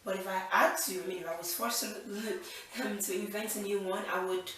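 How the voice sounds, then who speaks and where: A woman's voice: mid-range voice, fairly even intonation, normal speed, fairly bright tone, distant mic. A young woman from Nigeria chats through a casual question-and-answer vlog, upbeat and thinking aloud as she goes. She sits a little back from the mic, and the room echoes heavily around her voice. A faint hum sits under it. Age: 20s. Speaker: channel host.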